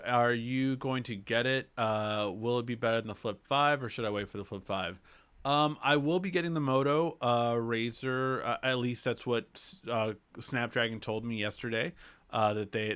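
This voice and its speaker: A man's voice: mid-range voice, a bit bright, clean tone. A young man hosting a casual tech livestream, reading viewer questions aloud and answering them with lots of fillers and restarts, his nose a little stuffy. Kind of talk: casual live Q&A chat.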